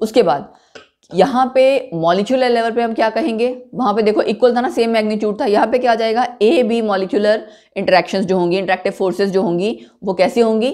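Over a quiet background, a woman with a fairly high pitch and a dark, mellow tone speaks at a moderate pace with ordinary pitch variation. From India. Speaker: chemistry teacher. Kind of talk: lecture. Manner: casual, chatty. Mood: warm, friendly. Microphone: lapel.

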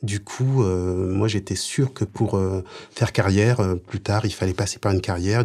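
A dark, mellow tone moves at a moderate pace with fairly even intonation against a quiet background. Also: man. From northern France (Picardy), born in Haiti; France. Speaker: stonemason. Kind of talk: personal testimony. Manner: hesitant, many fillers and repetitions. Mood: calm, reflective, some sadness. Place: studio.

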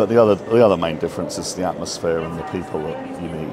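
A man's voice over noticeable background noise. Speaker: gym enthusiast vlogger. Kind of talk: casual vlog chat. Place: station.

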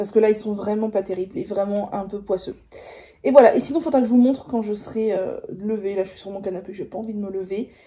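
A woman's very fast delivery, with big swings in loudness and ordinary pitch variation. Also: medium pitch for a woman. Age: 30s. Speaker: vlogger. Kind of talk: casual chat. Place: home room. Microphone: phone near.

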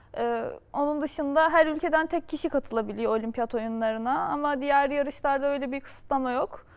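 A woman's high-pitched voice with ordinary pitch variation and hardly any pauses, on a very clean recording against a silent background. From Turkey, Istanbul and Bodrum. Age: 20s. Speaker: Olympic sailor. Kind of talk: interview. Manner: frequent hesitations.

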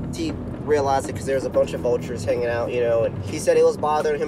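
A woman speaks with a very deep, low pitch. Clear music plays in the background, and the sound is dry with no echo. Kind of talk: casual explanation to camera crew. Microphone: lapel.

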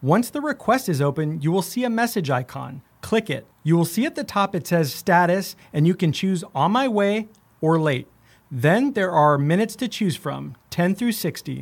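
A man's high pitch with very wide pitch swings. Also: moderate pace, very clean recording, silent background. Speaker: podcast co-host. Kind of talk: casual podcast interview.

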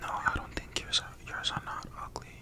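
Whispering at a moderate pace. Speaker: ASMR artist; ASMR creator. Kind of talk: ASMR role play, personal attention. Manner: whispered. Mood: gentle, reassuring.

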